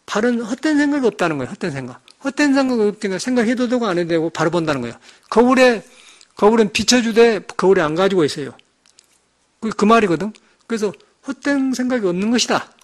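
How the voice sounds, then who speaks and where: Fast-talking high-voiced monk. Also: male voice, lively intonation. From Jeolla, South Korea. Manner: rambling, emphatic, conversational. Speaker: Buddhist monk. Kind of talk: dharma talk sermon.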